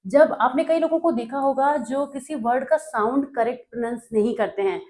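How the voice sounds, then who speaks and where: A woman's voice: high-pitched, moderate pace, darkish tone. A woman from North India, working as a tutor, explains study notes in a conversational way and often checks in with her listeners.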